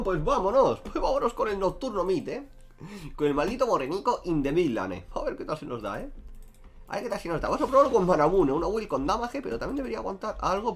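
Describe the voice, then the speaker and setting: Young male streamer, quick and lively, crude banter, faint music behind. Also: fairly high pitch, breathy edge. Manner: crude, joking, talks to chat. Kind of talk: casual gameplay commentary.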